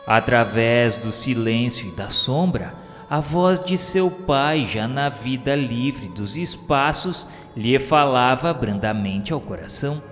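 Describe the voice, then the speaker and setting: Brazilian male narrator, grave and unhurried, reverberant room, soft music bed. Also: mid-range voice, lively intonation. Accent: Brazilian Portuguese. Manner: slow, solemn, measured delivery. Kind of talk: scripted radio drama narration. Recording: long reverb with faint music.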